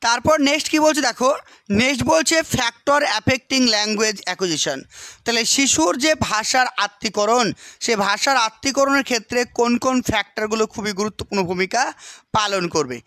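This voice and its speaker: A man with a West Bengal Bengali accent gives an exam-prep lecture in a very high, bright voice. He reads English lines slowly, then breaks them down with rhetorical questions. The sound is close and dry. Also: dry recording. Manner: keeps asking rhetorical questions and checking understanding. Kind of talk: explanatory lecture.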